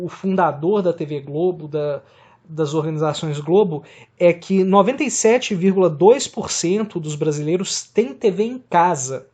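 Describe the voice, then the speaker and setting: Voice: mid-range voice, husky. A researcher with a Brazilian accent giving a formal, explanatory academic presentation in a didactic way.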